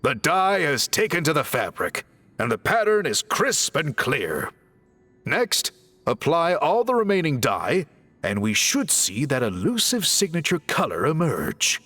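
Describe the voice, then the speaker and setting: A man playing an earnest, courteous tribal craftsman and reformer in a video game, speaking in polite, measured, articulate phrases. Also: fairly high pitch, wildly swooping pitch, pushed and bright, full character voice. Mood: instructive. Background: background music.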